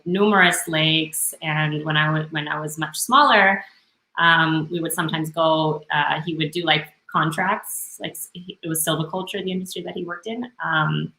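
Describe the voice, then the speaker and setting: Low, creaky woman, bright edge. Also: roomy sound, low-quality recording. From northern British Columbia, Canada, born in Romania. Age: 30s. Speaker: podcast guest. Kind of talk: casual reflective interview.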